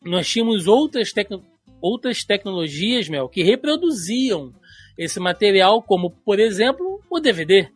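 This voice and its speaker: This thirtysomething Brazilian co-host speaks with a Carioca Portuguese accent on a laid-back podcast, rambling into tangents and using "né" constantly. His voice is high, husky and very animated, though a little slow. Soft music sits in the background.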